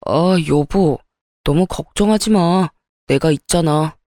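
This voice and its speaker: A woman voicing an easygoing, dismissive young husband, speaking in a lowered, placating tone. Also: normal speed, a little mellow, no echo, clean studio sound, lightly acted. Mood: soothing.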